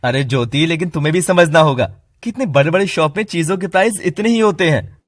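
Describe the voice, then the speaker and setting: A man's voice: fairly high pitch, a little fast, close to an everyday voice. A man playing a mild young husband.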